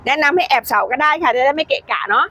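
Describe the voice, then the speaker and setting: A woman who owns a grape farm, briskly and confidently explaining how she grows grapes in her greenhouse. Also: high-pitched, expressive, pushed and bright. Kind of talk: explaining in an interview.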